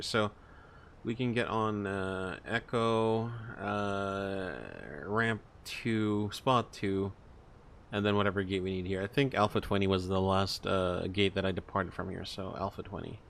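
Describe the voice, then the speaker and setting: A man's voice: low voice, fairly even intonation, a little slow. A man streaming a flight simulator as the captain, thinking aloud through cockpit procedures with hesitant, procedural phrasing. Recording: faint background noise, cockpit ambience.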